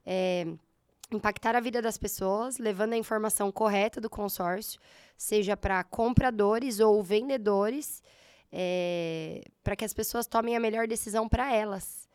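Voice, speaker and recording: A slightly hoarse woman in her thirties with a Brazilian accent, telling her story in a casual interview and acting out her past thoughts. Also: medium pitch, measured pace, darkish tone, no room sound, studio quality. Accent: Brazilian Portuguese. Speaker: guest, entrepreneur.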